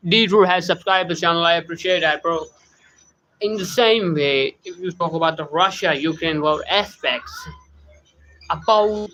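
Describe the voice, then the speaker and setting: South asian english guy live streaming from home, kinda high bright voice, lots of uh's, faint hum behind. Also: poor audio. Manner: halting, many fillers, greets viewers by name. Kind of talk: casual live-stream talk, reading chat. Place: home room.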